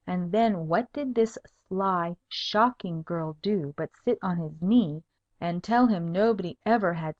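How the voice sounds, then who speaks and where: A woman reading a humorous tale as a scripted audiobook narration. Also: medium pitch. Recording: dull lo-fi audiobook recording.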